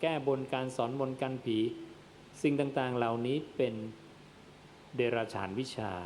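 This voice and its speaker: A Buddhist monk gives a dharma sermon in a man's voice of middle pitch. He speaks straight to his listeners and puts questions that he answers himself. A faint noise runs under the recording. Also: darkish tone. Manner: addresses listeners as "yom", asks and answers his own questions.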